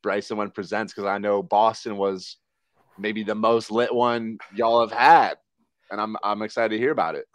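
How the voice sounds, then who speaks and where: A young man in his twenties, a guest on a casual podcast, relaxed and laid-back. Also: fairly low pitch, moderate pace, dry recording.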